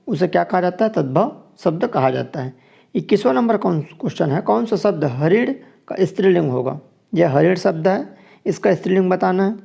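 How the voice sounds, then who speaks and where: On dull-sounding audio, a Chhattisgarh man runs an exam question walkthrough for a grammar class. His dark, gravelly voice rides a little high as he takes each multiple-choice item in turn, explaining the answer step by step and saying it twice.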